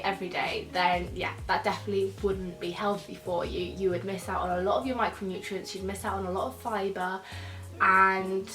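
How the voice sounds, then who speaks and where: A young woman reacting to videos as a nutrition student explains things chattily to camera, sounding croaky and congested from a cold and often saying "so" and "yeah". Her medium-pitched voice is on a distant mic, a bit off-mic in an echoey room, with soft music behind.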